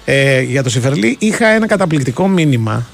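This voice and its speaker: A man with a Greek accent co-hosting a sports radio show, arguing in animated, restart-filled casual banter. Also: medium pitch, vocal fry, soft background music. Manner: animated, argumentative, many restarts.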